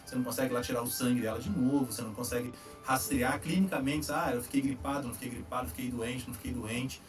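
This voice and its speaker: A man with a Brazilian Portuguese accent hosting a casual chat, explaining vaccine trials in a relaxed, slangy way with frequent tag questions. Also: mid-range voice, distant mic. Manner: relaxed, slangy, lots of "tá?" tags. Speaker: host answering viewer questions on vaccines.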